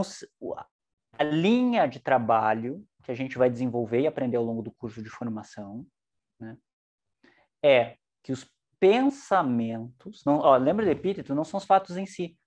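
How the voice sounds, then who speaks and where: A man giving an online psychology lecture, lively and joking, with shifting intonation. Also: mid-range voice.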